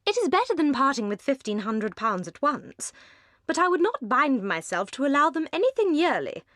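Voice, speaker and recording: A woman's voice: high-pitched, very animated, moderate pace, fairly bright tone, no echo, clean studio sound, pitched above the performer's own voice. A woman voicing a cold, grasping wealthy young wife in an English accent for an audiobook, persuasive and coolly reasonable. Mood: coaxing. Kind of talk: audiobook character reading.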